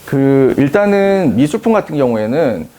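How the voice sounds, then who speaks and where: A man in his thirties, a company head, answering interview questions in a measured, explaining way with frequent hesitation fillers. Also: medium pitch, big pitch swings, mellow. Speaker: company CEO interviewed on art investment.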